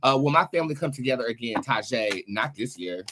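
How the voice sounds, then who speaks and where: American man, tarot show host, sassy and expressive, mid-pitched voice, slangy and profane. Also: a little fast, noisy background. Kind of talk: live tarot reading talk show.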